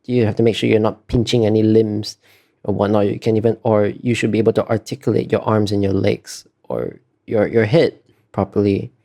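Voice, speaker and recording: A man's voice: lowish voice, steady tone, a little fast, vocal fry, warm tone. A man being interviewed as an artist, talking casually and explaining in a hesitant, self-correcting way.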